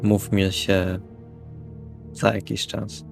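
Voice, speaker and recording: A man's voice: on the low side, level tone, extremely slow, vocal fry. A man playing a tabletop role-playing game, improvising dialogue and narrating his actions bluntly with casual swearing. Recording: music under the voice. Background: background music.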